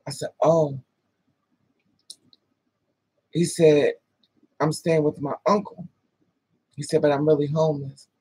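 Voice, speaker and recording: A woman in her thirties tells a dating story to the camera, swearing freely and acting out both sides of the talk. Her voice is husky with a breathy edge. The recording is close and dry. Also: low-pitched, normal speed, no echo, poor audio. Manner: animated, profane, laughing asides. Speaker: vlogger telling a dating story. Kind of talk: casual storytelling with quoted dialogue.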